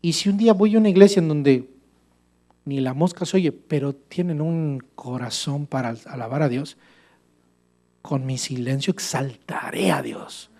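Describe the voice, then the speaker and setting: A male pastor preaching a church sermon with a fairly high voice. He talks in an animated way, asking the congregation questions and calling them brother. His tone keeps rising and falling as he makes each point. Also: normal speed.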